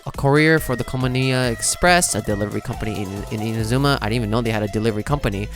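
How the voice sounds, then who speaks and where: A man's voice: mid-range voice, rapid-fire. A man giving casual, slangy and exclamatory reaction commentary as a video host. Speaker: video host, game reaction content creator. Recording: music playing behind the voice. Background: music.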